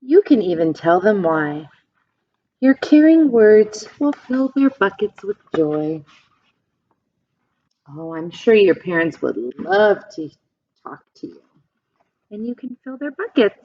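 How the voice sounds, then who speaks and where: Here a teacher reads a picture book aloud to small children, lingering on simple phrases and pausing often. Her voice is animated, swinging up and down expressively at a slow pace. A faint hiss or hum sits under the somewhat dull, lo-fi audio.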